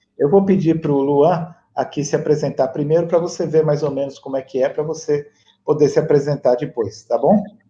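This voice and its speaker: Delivered at a moderate pace, the voice has a dark, mellow tone. Its intonation remains fairly even. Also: man, fairly high pitch for a man. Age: 60s. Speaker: interviewer. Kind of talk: live interview. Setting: online live stream. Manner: halting.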